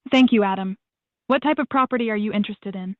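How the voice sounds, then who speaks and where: A synthetic woman's voice answering calls as a receptionist, polite, even and formulaic. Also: mid-range voice, fast talker, dry recording. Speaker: AI phone receptionist. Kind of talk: scripted phone answering. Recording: dry tinny phone line.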